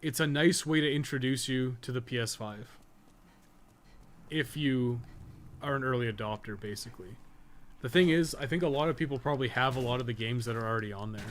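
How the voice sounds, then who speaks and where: This medium-pitched, brisk-voiced man streams himself gaming and co-hosts a podcast. His commentary is loose and meandering, full of slang, bluntness and the occasional curse.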